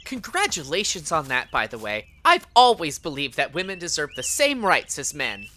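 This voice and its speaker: A woman's voice: sits low, huge pitch swings, normal speed, sharp tone, a little hiss or hum, exaggerated voice. A woman playing a prim, earnest and awkward teenage Boy Scout in a tabletop audio drama, formal and stammering. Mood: polite, shy.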